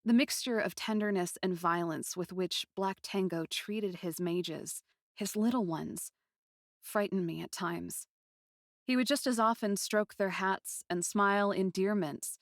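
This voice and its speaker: A woman's voice: on the low side, dry recording, clean studio sound. A woman playing a grieving, passionate young captive princess who tells her own story in an intense, emotive, dramatic first-person style.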